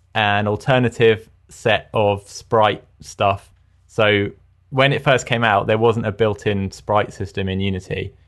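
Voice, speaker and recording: The speaker has a British accent and talks at a moderate pace. The intonation is fairly even. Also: man. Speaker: podcast host; former university programming teacher. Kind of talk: casual chat.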